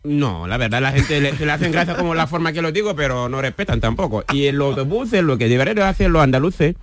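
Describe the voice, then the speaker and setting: A man's voice: a little high, expressive, fast, dry recording. A man from Guinea, a guest on a radio chat, talking earnestly and with emphasis in a studio. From Equatorial Guinea.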